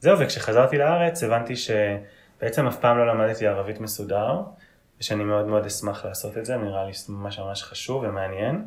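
Audible room echo around a man at medium pitch, moderate pace and ordinary pitch variation. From Israel. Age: 20s. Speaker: NGO founder and Arabic teacher. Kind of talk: interview.

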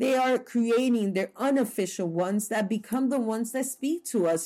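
Speaking with an American accent, a woman uses a normal speaking voice at a fairly high pitch, with lively intonation and a moderate pace. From New York City, Lower East Side, with childhood time in coastal Colombia. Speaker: anthropologist, podcast host. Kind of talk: lecture.

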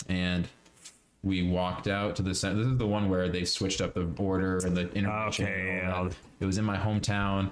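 A man with an American accent and a very deep, low voice, fairly quick, monotone and flat, at very even loudness, over noticeable background noise. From Northeast Pennsylvania, Scranton. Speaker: MMA fighter and coach. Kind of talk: casual chat.

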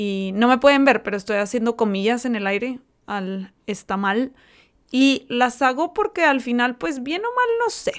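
Using lively intonation, a woman with a high pitch speaks at a fairly slow pace. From northern Mexico, Torreón. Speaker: psychologist and podcast host. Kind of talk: advice podcast monologue. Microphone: new microphone.

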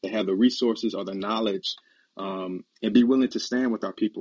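This man has an American accent and a medium pitch. He talks very fast with ordinary pitch variation. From US South. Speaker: lawyer, voting rights advocate. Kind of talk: casual chat.

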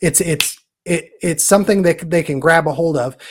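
The voice is a man's, pitched high. His pace is moderate. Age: 30s. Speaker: music educator and education advocate. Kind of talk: interview discussion.

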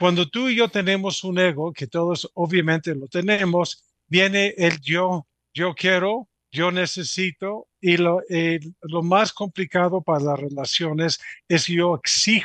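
A bright, sharp voice speaks at a fairly slow pace with fairly even intonation, recorded dry and close with no echo. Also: man, high pitch for a man. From New York. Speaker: psychologist and author. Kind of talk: radio interview.

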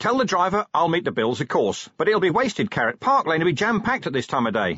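A man's put-on character voice, fairly high-pitched and slightly husky, with big pitch swings at a fairly quick pace in a dry, close sound with no echo

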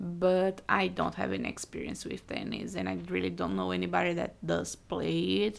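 A woman speaks at a moderate pace with a Brazilian accent. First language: Portuguese. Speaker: PhD student, host's wife. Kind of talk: casual chat.

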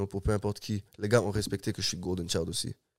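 This man has an ordinary speaking voice, fairly low in pitch, and speaks at a moderate pace with fairly even intonation in a dry, close sound with no echo. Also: very clean recording, silent background. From Montreal, Côte-des-Neiges. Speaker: rapper and producer. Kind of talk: casual interview chat.

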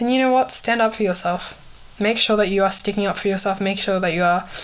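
A woman with an Australian accent and fairly even intonation. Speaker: podcast host. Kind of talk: casual chat.

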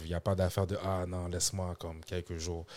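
With a very deep, low pitch, a man speaks at a moderate pace in a monotone, flat intonation. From Montreal, Quebec. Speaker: rapper. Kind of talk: casual chat. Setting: studio.

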